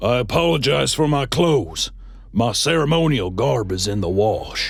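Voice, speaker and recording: A raspy, cartoonish character voice goes at a moderate pace over clear music in the background. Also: man, medium pitch for a man. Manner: hapless, downtrodden.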